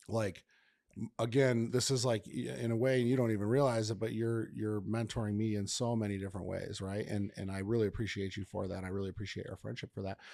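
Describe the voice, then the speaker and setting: The voice has a dark, mellow tone and an American accent. It runs at a very fast pace with fairly even intonation. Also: man, fairly low pitch for a man. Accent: slight accent on certain words. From US Midwest (West Michigan), partly Maine. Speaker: podcast host. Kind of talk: casual chat. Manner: halting.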